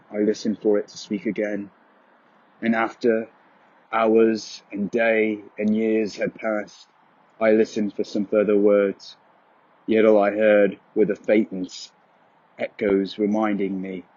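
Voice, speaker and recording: A man giving a solemn, brooding, measured dramatic narration of dark poetic prose with a husky voice. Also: fairly low pitch, dry recording, dull audio. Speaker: voice-over narrator.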